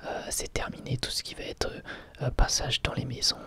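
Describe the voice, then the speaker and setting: A man speaks in a soft, breathy whisper, as in an ASMR video. His delivery is informal and halting, as he often searches for the next phrase and corrects himself. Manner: hesitant, halting phrasing with frequent self-corrections. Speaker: ASMR video host reviewing anime. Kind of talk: whispered ASMR review, unscripted.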